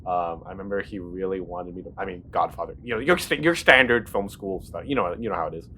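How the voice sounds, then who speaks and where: A man's voice: low-pitched, quick pace, sharp tone, a little hiss or hum, low-quality recording. A man co-hosting a casual movie podcast, meandering, with many likes and ums. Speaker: podcast co-host.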